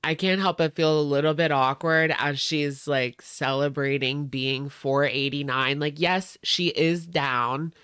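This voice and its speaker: A woman's voice: deep voice, steady tone, a little slow, hardly any pauses, fairly bright tone, clear, resonant tone, dry recording, studio quality. A young woman hosting a reaction video with casual, sarcastic commentary, a little stuffy-nosed. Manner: sarcastic, chatty. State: stuffy nose.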